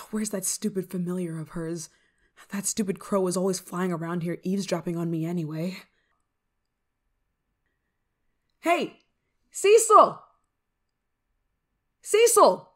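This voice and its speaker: A woman's voice: lowish voice, steady tone, moderate pace, warm tone, lightly acted. A woman playing a flustered, affectionate novice witch in an ASMR roleplay, speaking in a hesitant, fretful way. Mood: exasperated. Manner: hesitant, stammering, fretful, sighing. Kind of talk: ASMR roleplay monologue to the listener.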